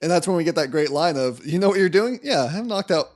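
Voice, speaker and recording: A man's voice: on the high side, expressive, fast, darkish tone. A man co-hosting a podcast, recapping and commenting on a film in a casual, enthusiastic way. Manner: enthusiastic, often chuckling. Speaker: podcast co-host.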